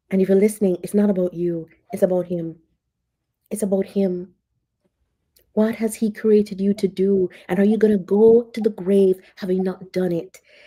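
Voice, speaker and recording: Here a woman speaks with a Jamaican accent at a medium pitch and a moderate pace. Her tone is dark and mellow, her intonation monotone and flat. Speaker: motivational speaker. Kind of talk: interview.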